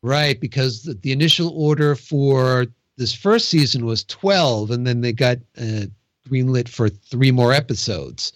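A man hosting a casual podcast, talking conversationally with quick jokey asides. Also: mid-range voice, no room sound. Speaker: podcast host. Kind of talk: casual chat.

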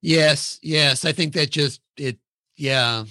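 Bright-voiced man hosting a film chat. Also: a little high, takes it slowly, dry recording, studio quality. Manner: leads the talk, steers topics, thinks aloud with restarts. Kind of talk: casual film discussion.

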